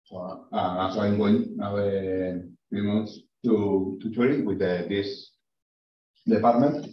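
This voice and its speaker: Slow, halting man presenting research. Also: lowish voice, fairly even intonation, slight background noise. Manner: halting, hesitant, many fillers. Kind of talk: academic presentation and answers. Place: lecture room. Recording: echoey, distant, dull room recording.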